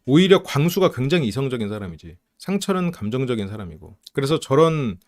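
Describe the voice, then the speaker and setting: A man hosting a psychology channel, giving casual commentary on a dating show and acting out quoted lines in quick bursts. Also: mid-range voice, very animated, a little mellow.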